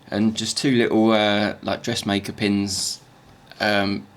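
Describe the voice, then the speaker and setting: A man with a croaky morning voice teaching jewellery making in a casual, halting way, often repeating words as he talks. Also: on the low side, completely flat delivery. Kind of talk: casual workshop tutorial voice-over.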